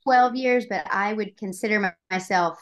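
A woman from Oklahoma hosts a podcast interview over a video call. She sits at a middle pitch and speaks in a gracious, thankful way, with her faith close to the surface. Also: normal speed. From Oklahoma, United States. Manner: warm, faith-centered, gracious. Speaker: podcast host. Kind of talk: casual interview hosting.

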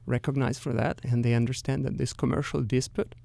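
Answering an interviewer as a company executive, a middle-aged man with a Russian accent speaks in a careful, measured, explanatory style. His voice is medium-pitched, creaky and mellow, with little pitch movement and no room sound.

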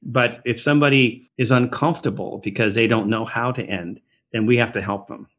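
A middle-aged man with a husky, slightly breathy voice, speaking as a podcast guest. He talks in a reflective, meandering way, circling back and restarting his thoughts as he goes. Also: medium pitch, steady tone, fairly quick, fairly bright tone. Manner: rambling, reflective storytelling with restarts. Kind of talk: conversational podcast interview. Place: Los Angeles area.

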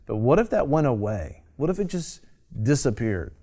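Earnest guy hosting, reflective, middle pitch. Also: sing-song, moderate pace, mellow. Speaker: host.

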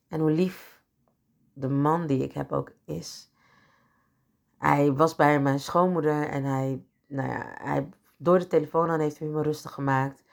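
Gravelly low-voiced woman telling a story. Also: a little mellow. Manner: candid, emotional, acts out inner voices. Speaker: podcast host. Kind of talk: personal storytelling monologue.

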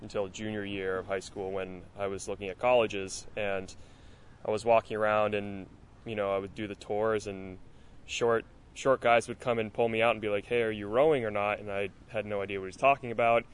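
Flat-voiced young man, low and even. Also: a little fast, smooth. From Massachusetts, USA. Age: young adult. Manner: steady storytelling with fillers. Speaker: college rower. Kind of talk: interview answers.

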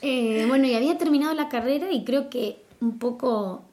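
A woman talking casually as an interviewee, relaxed and chatty with frequent fillers. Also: high voice, normal speed, a loud crowd. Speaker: interviewee, dancer. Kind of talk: casual conversation.

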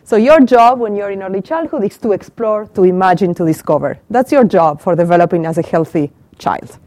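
A woman's voice: mid-range voice, a little fast, darkish tone, no room sound. Argentine woman lecturing a small group. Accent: Argentine Spanish. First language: Spanish. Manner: asks the audience questions and repeats their answers. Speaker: professor giving a talk. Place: small room with a live audience. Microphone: handheld mic.

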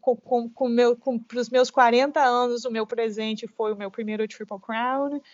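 A Brazilian woman in her late forties with a Brazilian Portuguese accent, a trail runner talking as a guest. She speaks in animated bursts with many restarts. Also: a little high, unhurried, no room sound. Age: late 40s. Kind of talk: casual interview conversation. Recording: dull lo-fi podcast audio.

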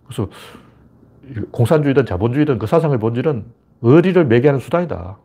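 A man's voice: mid-range voice, lively intonation, fast, warm tone. A man giving a heated political monologue, emphatic and blunt, acting out taunting questions. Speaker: political commentator.

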